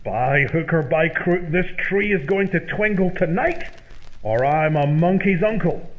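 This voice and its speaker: A man acts out an excitable, stubborn grumbler from an old-time radio comedy double act. His voice is high and swings widely as he blusters in old-fashioned phrases. The sound is slightly muffled. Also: unhurried.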